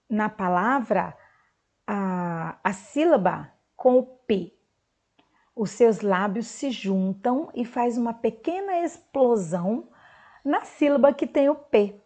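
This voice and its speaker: A woman teaching a recorded lesson to young children in Brazilian Portuguese, speaking clearly and drawing out words for them. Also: fairly high pitch, a little mellow. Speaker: primary school teacher.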